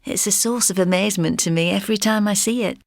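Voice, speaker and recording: A woman speaks gently and wistfully. Her pitch is mid-range. The sound is dry and close. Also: fast, gravelly, no echo. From Yorkshire, England. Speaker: interviewee in a listening exercise.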